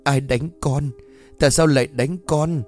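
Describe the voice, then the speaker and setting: A man's voice: mid-range voice, fairly even intonation, a little slow, a little mellow, faint music behind, pitched above the performer's own voice, natural voice. A man narrating a story and voicing an old mother who is emotional and fervent. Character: old mother, tearful and eager.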